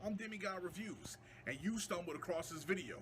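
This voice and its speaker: A man's voice: high voice, expressive, a little fast, fairly bright tone. A man giving an upbeat, motivational pep talk as a video creator. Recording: music playing over the voice. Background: music.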